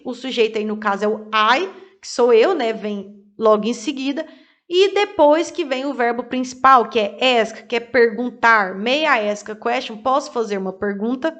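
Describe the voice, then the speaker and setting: A woman teaching English grammar to Portuguese speakers, reading example sentences slowly and then translating each one. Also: a little high, a bit bright. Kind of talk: explaining grammar to learners.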